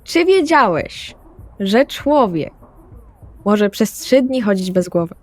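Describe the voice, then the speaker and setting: A woman's voice: medium pitch, sing-song, slow, faint music behind. A woman voicing an eccentric, protective vampire in an audio roleplay, motherly, cryptic and insistent.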